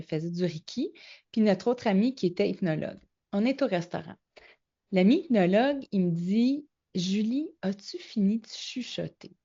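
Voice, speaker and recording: Middle-aged woman, Québécois accent, animated storyteller guest, slightly dull recording. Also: mid-range voice. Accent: Québécois French. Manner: animated storyteller, acts out quoted dialogue. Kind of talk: casual storytelling interview. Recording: slightly muffled lo-fi audio.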